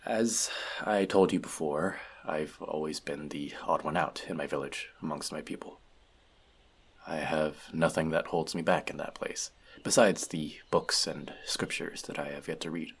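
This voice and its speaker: A man's voice: very deep voice, unhurried, husky, full character voice. A man playing an earnest, bookish elf outcast in an audio roleplay, confiding in a friend in a hesitant, self-doubting way. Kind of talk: scripted audio roleplay addressed to the listener.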